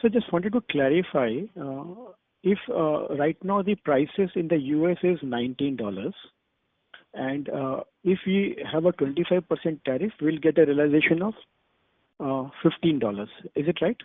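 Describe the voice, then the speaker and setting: A man calls in as an analyst with questions. His voice is rather high and his phrasing hesitant. The sound is dry and narrowed by the telephone. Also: moderate pace, dry recording. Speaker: analyst caller asking questions. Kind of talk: earnings call questions. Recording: narrow, dry phone line.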